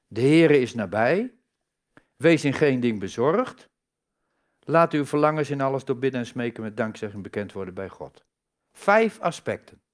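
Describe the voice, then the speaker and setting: A man giving a sermon in a conversational way, asking the congregation rhetorical questions and stressing key words. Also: mid-range voice. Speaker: preacher.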